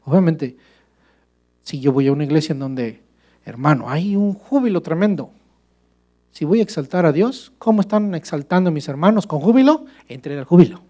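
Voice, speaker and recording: A male pastor preaching a church sermon with a fairly high voice. He talks in an animated way, asking the congregation questions and calling them brother. His tone keeps rising and falling as he makes each point. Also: normal speed.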